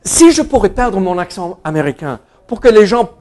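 High-voiced American man preaching. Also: sing-song, a little mellow. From United States. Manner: halting, many fillers and restarts, laughs at himself. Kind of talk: sermon.

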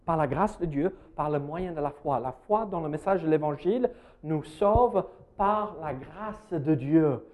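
Here the pastor's voice sits on the high side with a darkish tone, moving a little slowly. He's an American man preaching in a church hall, hesitating with many fillers and asking his audience questions.

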